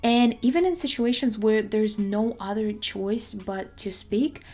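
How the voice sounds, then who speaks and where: A young woman from Russia, a native Russian speaker, talking in a measured, articulate way as she presents a semi-scripted language-learning video. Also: medium pitch, dark tone.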